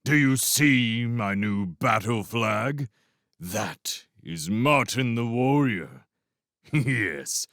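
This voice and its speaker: A man's voice: fairly low pitch, fairly bright tone, no room sound, studio quality, exaggerated voice. A man voicing a cruel male rat warlord who sneers and boasts, then bursts into roaring tirades, in a storybook reading.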